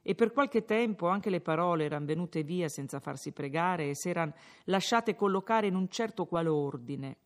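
A man reading a classic novel aloud in measured, quiet storytelling narration. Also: on the high side, lively intonation. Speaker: audiobook reader. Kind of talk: scripted literary narration.

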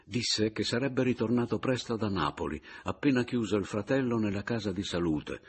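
A man reading a literary novel aloud in a measured, reflective storytelling manner. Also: lowish voice, animated, husky. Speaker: audiobook reader. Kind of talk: literary audiobook narration.

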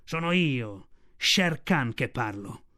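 A man's voice: medium pitch, expressive, slow pace, sharp tone, pitched below the performer's own voice. A man doing a menacing, arrogant male tiger. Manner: boastful, threatening.

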